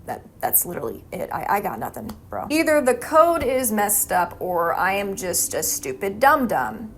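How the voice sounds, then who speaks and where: A woman's voice: mid-range voice, very animated, moderate pace, a bit bright, a little hiss or hum. A young woman hosting a horror video essay, mixing scripted narration with jokey, slangy, theatrical asides.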